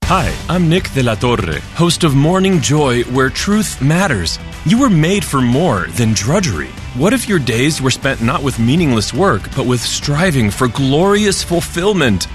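Man, radio host, animated higher voice, persuasive promo, faint music. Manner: upbeat, persuasive read. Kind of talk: scripted show promo.

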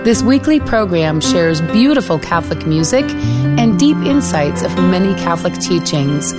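Low-voiced woman reading a show promo. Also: very animated, moderate pace. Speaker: radio host reading a promo. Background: guitar music.

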